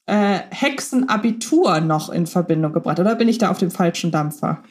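A woman's voice: on the low side, expressive, a little fast, darkish tone. A woman co-hosting a fan podcast in casual chat, thoughtful, checking her notes and correcting herself. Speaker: podcast co-host.

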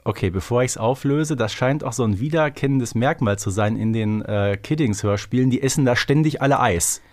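A man's voice: medium pitch, fairly quick, darkish tone. Chatty, teasing male podcast co-host, mid-range. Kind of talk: casual quiz banter.

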